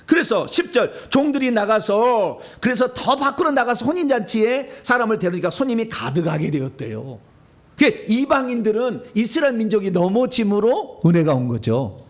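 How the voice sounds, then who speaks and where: A male pastor teaching a Bible-study sermon, swinging from quiet asides to loud shouted lines and putting questions to his congregation. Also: high-pitched, big pitch swings, a little fast.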